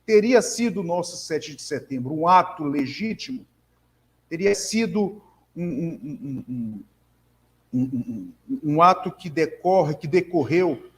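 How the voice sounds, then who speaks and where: Halting, earnest Brazilian man, slightly high. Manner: halting, many repeated fillers and restarts; earnest, emphatic convictions. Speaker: conversation partner, bookseller. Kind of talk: conversational discussion.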